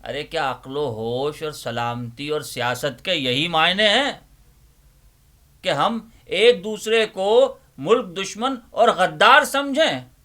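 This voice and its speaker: A man playing a bookish old librarian uncle, giving theatrical, emphatic Urdu-literature readings with deliberate repetition. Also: a little high, sharp tone. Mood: impassioned. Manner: emphatic, deliberate, repeats phrases rhetorically. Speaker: host, dramatic reader of Urdu literature. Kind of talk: theatrical dramatic reading and monologue.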